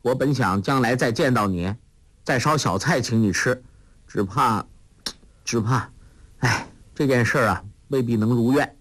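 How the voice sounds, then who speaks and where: A man's voice: medium pitch, a bit bright. A man voicing a clever, playful young woman who talks in a coaxing, sweet way. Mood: wistful. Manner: coaxing, sweet, quick-witted.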